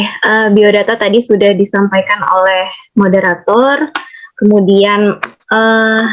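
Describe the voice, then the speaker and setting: A woman gives a slide-based training lecture at a moderate pitch, explaining step by step with frequent small hesitations. The audio is somewhat dull and lo-fi. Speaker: teacher training presenter.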